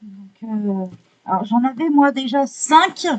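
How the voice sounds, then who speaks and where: A woman chatting casually while unboxing art supplies, excitable, swearing lightly and apologizing often. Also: on the high side, slow, low-quality recording.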